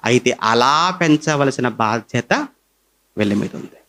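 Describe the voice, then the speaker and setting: Animated Telugu-accented male pastor preaching. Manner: animated preaching, pitch swinging high and low. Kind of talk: sermon.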